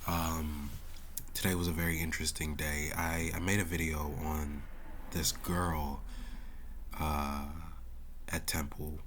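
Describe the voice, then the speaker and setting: A young man who is sick with a sore throat and losing his voice, rambling haltingly and casually in slangy talk for a personal vlog. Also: a bass voice, level tone, fairly bright tone, a little hiss or hum. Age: young adult. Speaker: college student vlogger.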